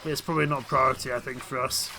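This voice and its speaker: A man with a cold and a croaky voice, giving casual, hesitant commentary while playing a strategy game. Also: medium pitch, fairly even intonation, racing, music in the background. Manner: hesitant, full of ums and restarts. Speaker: game streamer.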